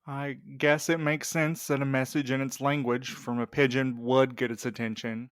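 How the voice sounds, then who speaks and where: A man playing a gentle, level-headed young courier with a measured, questioning manner in an audio drama. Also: mid-range voice, little pitch movement, smooth, no room sound, clean studio sound, natural voice. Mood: thoughtful. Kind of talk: naturalistic audio drama acting.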